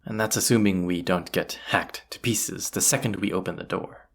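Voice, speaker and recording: Performer acting out a bandit leader, deep, creaky, husky, folksy, wry, conversational audio drama delivery. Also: steady tone, normal speed, full character voice. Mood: pondering, uncertain. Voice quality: gravelly, husky low voice. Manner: folksy, conversational, hushed at times. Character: folksy bandit leader, wry, plain-spoken, planning a heist. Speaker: character voice actor. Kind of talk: immersive audio roleplay acting, addressing the listener.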